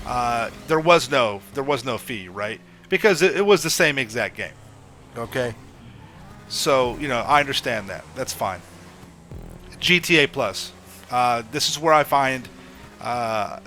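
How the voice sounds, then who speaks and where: Guy w a stuffy head cold, mid pitch, blunt straight talk, keeps saying okay? to viewers. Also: pushed and bright. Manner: blunt, repeats "okay?" and "right?" to the audience. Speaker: gaming YouTuber. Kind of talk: casual opinion monologue to camera.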